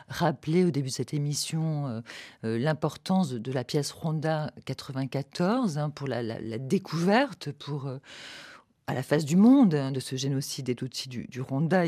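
A woman's voice: low-pitched, warm tone, no room sound, studio quality. A woman hosting a radio interview, asking long questions with frequent hesitations and fillers. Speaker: radio host.

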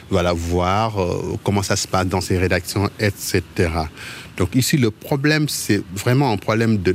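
A low-pitched man from Mauritania talks through interview answers. He is a journalist who halts often and repeats little words while he gathers his thoughts, with faint background noise around him. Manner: halting, with frequent word repetitions.

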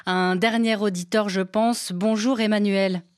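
A woman hosting a radio call-in show in a dry, close studio sound. She is measured and courteous, thanking callers and framing questions. Her pitch sits in an even middle range. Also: smooth, no room sound. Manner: measured, courteous, with hesitant fillers. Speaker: radio host.

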